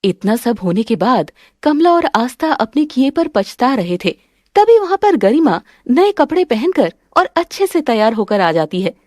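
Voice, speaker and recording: Woman narrator for a family drama, high natural pitch brought down, dry close recording. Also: big pitch swings, moderate pace, darkish tone, dry recording. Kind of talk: scripted story narration.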